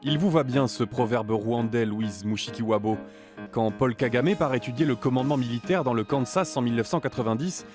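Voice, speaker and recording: A man narrates a documentary profile in a polished, scripted style. His voice is mid-pitched and even. A clear music bed plays underneath.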